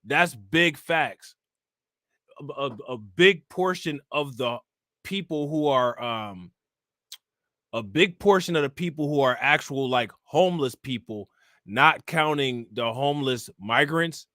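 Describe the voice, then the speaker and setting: A man's voice: medium pitch, lively intonation, takes it slowly, pushed and bright, no echo, clean studio sound. A man reacting to news clips as a streamer, talking in loose slang and laughing often. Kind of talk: casual commentary.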